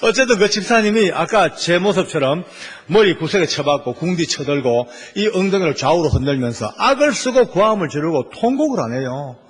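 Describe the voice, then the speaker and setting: A middle-aged man preaches in a church, telling his story with lively, animated energy. His voice sits a little high for a man and has a husky, breathy edge. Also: a little fast. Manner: animated storytelling with Gyeongsang dialect. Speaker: church elder and prison official preaching. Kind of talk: sermon testimony. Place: church sanctuary.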